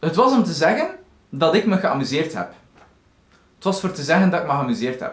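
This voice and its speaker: With a slight West Flemish accent, a man speaks at a moderate pace in a high pitch with lively intonation. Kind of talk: tussentaal, informal regional Dutch.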